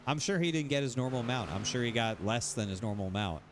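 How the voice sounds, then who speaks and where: A man's voice: mid-range voice, fast, background noise. A man streaming sim racing, ranting casually, rambling and repeating himself, swearing freely. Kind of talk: casual livestream rant.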